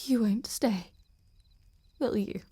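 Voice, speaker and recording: A woman playing an obsessed, cruel ice queen general in a dramatic audio roleplay, halting and intense, often breathy. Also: fairly high pitch, dark tone. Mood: bitter, heartbroken.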